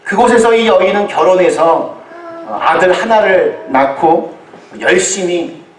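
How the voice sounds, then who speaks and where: A man preaching a sermon as a pastor to a congregation, telling it in deliberate phrases with pauses. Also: high-pitched, slight background noise. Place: large echoey room, church service. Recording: echoey hall, distant microphone.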